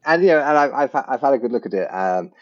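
A man hosting a podcast, asking his guest questions in a measured way. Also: mid-range voice, animated, lo-fi sound. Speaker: podcast host. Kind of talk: interview questions.

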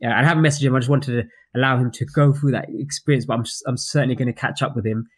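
A man's voice: mid-range voice, fairly even intonation, rapid-fire, slightly rough. Chatty London man hosting a stream. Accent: British English, London. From West London. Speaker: co-host. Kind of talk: casual live-stream chat.

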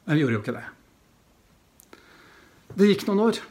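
A man's voice: high-pitched, sing-song, darkish tone. A middle-aged male pastor telling a story in a sermon, reflective and hesitating now and then.

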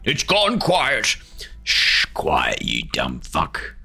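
A man voicing two bickering monster heads in a tabletop game, one high and the other gruff, rudely hushing and snapping. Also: huge pitch swings, extremely slow, faint music behind, heavily acted. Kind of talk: tabletop game role-play.

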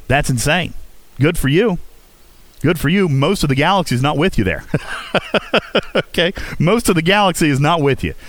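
Male stream host from Virginia, talkative, reads chat aloud, lively pitch, close dry sound. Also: no room sound. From Virginia, USA. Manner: talkative, reads and answers viewer chat, keeps asking "okay?". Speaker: livestream host. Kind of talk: casual gaming livestream chat.

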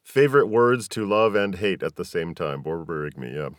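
A man's voice: low-pitched, expressive, moderate pace, no echo, clean studio sound. A man hosting a casual podcast interview, phrasing his questions in a tentative, roundabout way.

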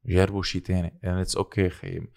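A man with a Lebanese Arabic accent talks politics casually and insistently. His voice is very low with heavy creak, and he speaks quickly, repeating his points and dropping in English phrases. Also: little pitch movement, darkish tone. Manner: code-switches into English.

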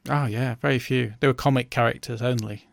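A man's voice: mid-range voice, steady tone, a little fast, vocal fry. A man who works in learning and development, talking in a chatty, reflective way with lots of "you know". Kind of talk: casual conversational chat.

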